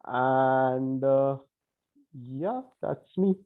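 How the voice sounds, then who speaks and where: A man's voice: mid-range voice, extremely slow. Man on a tinny phone line. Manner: hesitant, with many filler sounds. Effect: speaking over a phone line. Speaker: participant in an online empathy circle. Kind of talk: casual self-introduction. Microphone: phone call.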